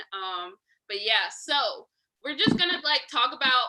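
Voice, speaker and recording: A woman's high, bright, sharp voice with an American accent, lively intonation and a fairly slow pace. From California. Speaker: online talk show host. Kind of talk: casual chat.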